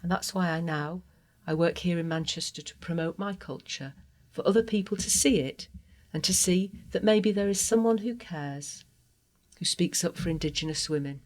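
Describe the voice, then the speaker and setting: A woman's voice: lowish voice, a little mellow. Earnest trans woman from Guatemala. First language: Spanish. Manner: earnest, heartfelt, measured. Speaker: interview guest. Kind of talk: personal testimony interview.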